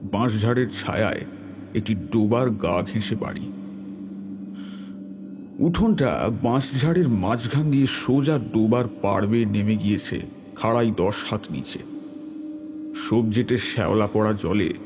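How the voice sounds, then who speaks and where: A man narrating a scripted horror tale in the first person, with measured, literary storytelling. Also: fairly low pitch, lively intonation, noisy background.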